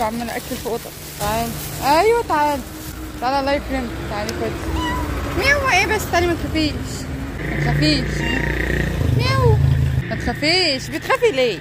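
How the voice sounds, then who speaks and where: Quick, high Egyptian woman on a noisy street. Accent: Egyptian Arabic. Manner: chatty, coaxing and teasing. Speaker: vlogger. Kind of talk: casual vlog narration and talking to street animals. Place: outdoors on a city street. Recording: loud street traffic noise behind.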